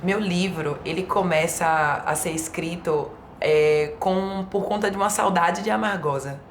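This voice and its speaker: A woman from Salvador, a writer and teacher, telling her story in a reflective, poetic, measured way. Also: on the low side, a little hiss or hum. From Salvador, Bahia, Brazil. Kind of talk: personal reflective narration. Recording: voice over clear music.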